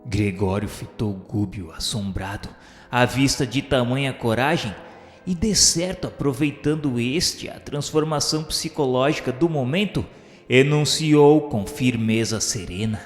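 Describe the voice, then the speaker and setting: A man's voice: medium pitch, measured pace, natural voice. A man narrating a radio drama in formal, literary scripted prose. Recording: echoing hall reverb, faint music. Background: faint music.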